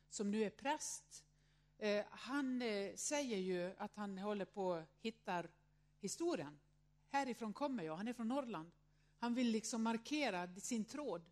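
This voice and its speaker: A woman around sixty tells a personal story to an audience, earnest and reflective, often filling her speech with little hesitation words. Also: mid-range voice. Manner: acts out quoted voices in her story.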